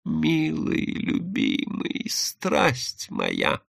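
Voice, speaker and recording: A man voicing a desperate, lovesick woman spy in an audiobook, pleading in a halting, trembling hush. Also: on the high side, vocal fry, husky, dry recording, clean studio sound, voice pushed up, exaggerated voice. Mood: anguished, pleading.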